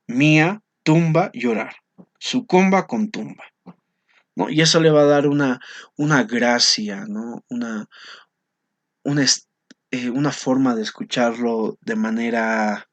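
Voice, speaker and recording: A man's voice: mid-range voice, a bit bright. A male teacher explaining poetry to his class, often checking in with short tag questions. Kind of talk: recorded class lesson on poetry.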